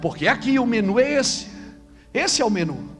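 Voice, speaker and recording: A pastor preaches to other pastors in an animated way, acting out short dialogues. His man's voice sits very high and swoops widely, now and then breaking into shouts. Faint music plays under him. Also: normal speed. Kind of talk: sermon to pastors.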